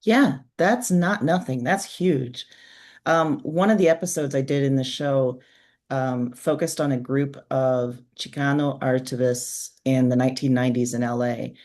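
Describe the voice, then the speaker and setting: A woman's voice: very deep voice, fairly even intonation, a little slow, darkish tone. A woman speaking as an interview guest in a casual, earnest way, with plenty of informal filler words. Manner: earnest, informal, peppered with like and you know. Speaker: interview guest, author and podcaster.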